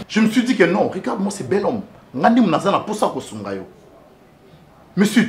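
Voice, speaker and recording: An actor with a Congolese accent playing an excitable man in a domestic drama, by turns deferential and indignant. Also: on the high side, slight background noise. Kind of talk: acted domestic drama dialogue.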